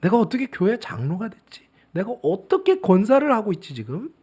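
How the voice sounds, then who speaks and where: A middle-aged male pastor preaching a sermon, swinging between loud emphasis and soft, near-whispered asides. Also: high-pitched, big pitch swings, brisk, husky.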